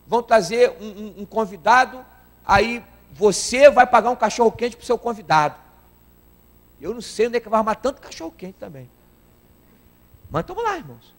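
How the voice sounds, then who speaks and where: Emphatic high-voiced preacher. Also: male voice. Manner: emphatic, calls out to the congregation. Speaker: guest preacher. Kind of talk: sermon.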